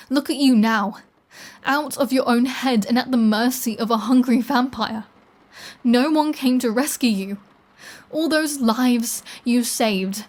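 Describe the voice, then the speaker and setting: A woman playing a flirty, taunting, predatory vampire in an intimate audio roleplay, with a teasing, sardonic delivery. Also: a little high. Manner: slow, teasing, sardonic, casually profane.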